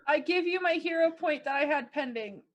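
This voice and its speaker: A woman's voice: high voice, a little fast. A woman chatting casually as a player in a tabletop game.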